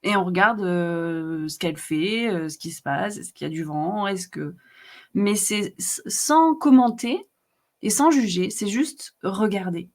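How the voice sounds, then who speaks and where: A woman's voice: medium pitch, a little slow. A woman hosting a live stream, explaining emotions in a chatty way with many fillers and repetitions. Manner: warm, chatty, frequent fillers and repetitions, laughs often. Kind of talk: casual live teaching, reading comments.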